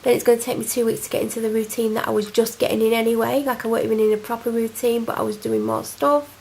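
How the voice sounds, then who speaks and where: Young woman, a home vlogger with a cold. Chatty and rambling. Slightly high, gravelly voice, faint background hiss. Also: flat delivery, fast talker, a little mellow. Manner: rambling, self-deprecating, chatty. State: congested, snotty from a cold. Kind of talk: casual chatty vlog to camera. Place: at home, indoors. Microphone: camera mic.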